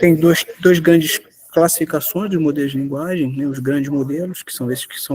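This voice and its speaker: Dry and close with no echo, a man's somewhat breathy voice has a dark, mellow tone, a fairly high pitch and fairly even intonation. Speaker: physician lecturer. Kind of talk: lecture.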